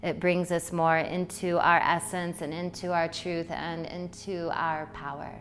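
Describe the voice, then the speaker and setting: A woman leading a guided meditation in a poetic, soothing way, with deliberate phrasing and long pauses. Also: fairly low pitch, little pitch movement, a bit bright. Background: music.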